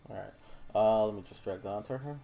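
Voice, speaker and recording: A man's voice: on the low side, fast talker, vocal fry, warm tone, dull audio, faint music behind. A man narrating a tabletop game as game master, rambling with many fillers.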